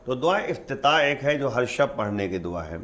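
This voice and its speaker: A man's voice: mid-range voice, sing-song, fairly bright tone. Male religious scholar; patient, step-by-step explainer. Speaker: Islamic scholar. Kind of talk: religious teaching in conversation.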